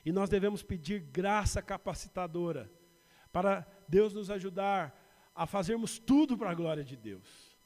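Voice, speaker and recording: A man with a São Paulo Brazilian accent preaches from the pulpit. His voice sits fairly high, rising on emphatic lists and sinking into quiet personal asides. The sound carries a long reverb from the church hall. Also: lively intonation, a little slow. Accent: Brazilian Portuguese, São Paulo. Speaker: pastor. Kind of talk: sermon. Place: church sanctuary.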